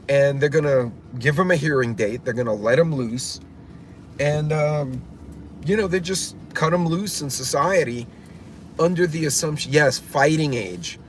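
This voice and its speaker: Blunt, rambling man talking in a car. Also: mid-range voice. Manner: blunt, profane, many fillers and restarts. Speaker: prepper channel host. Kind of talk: casual rambling vlog commentary. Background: classic rock music playing.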